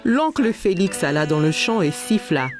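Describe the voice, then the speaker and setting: A woman's voice: fairly low pitch, sing-song, moderate pace, music in the background. A woman narrator reading a scripted children's story expressively, as if to small children.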